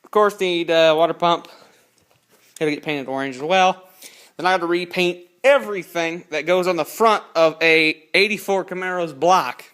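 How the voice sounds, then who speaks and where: An eighteen-year-old hobby car builder films his project on a handheld phone in his home garage, rambling casually and correcting himself in plain words. His voice is a little high, fairly bright, clear and resonant, at a moderate pace.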